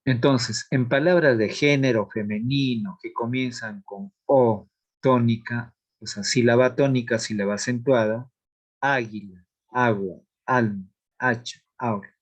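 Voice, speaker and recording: A male teacher walks through grammar rules at an unhurried, measured pace. He reads each example carefully and pauses to check that the class follows. His voice sits at an ordinary middle pitch. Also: fairly even intonation, muffled recording. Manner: slow, deliberate explanation of examples; asks checking questions of the class. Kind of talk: grammar lesson.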